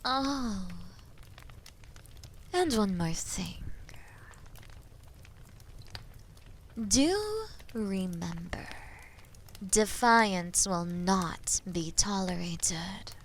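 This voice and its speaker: A woman voicing a haughty, menacing female dragon in a fantasy audio roleplay, imperious and possessive, with deliberate delivery and breathy phrase endings. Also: mid-range voice, expressive, a little hiss or hum. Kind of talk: slow, dramatic roleplay audio acting.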